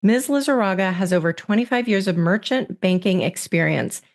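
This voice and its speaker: Woman podcast host, middle pitch, upbeat, reads the intro then chats. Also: lively intonation, moderate pace. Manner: upbeat, reads guest bio. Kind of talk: scripted intro and interview.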